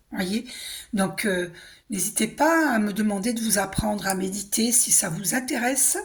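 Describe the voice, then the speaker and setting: A hoarse woman giving a casual, reassuring spiritual card reading, often clearing her throat and asking "d'accord?". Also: mid-range voice. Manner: chatty, reassuring, tag questions like hein and d'accord. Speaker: tarot and oracle card reader.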